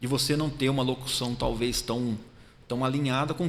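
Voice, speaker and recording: A man talks fairly quickly, and background noise is noticeable throughout. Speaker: radio announcer. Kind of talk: casual podcast interview. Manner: fast; natural, informal.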